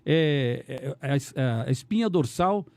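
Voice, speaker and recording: A middle-aged Brazilian man, a radio announcer, chatting on a podcast in a rambling, animated way with many restarts. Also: medium pitch, unhurried, no room sound. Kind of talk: casual podcast conversation.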